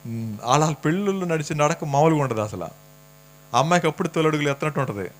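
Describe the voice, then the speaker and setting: A man's voice: a little high, lively intonation, quick pace. Teasing man preaching a sermon. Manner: conversational, teasing, asks the congregation questions. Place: church hall.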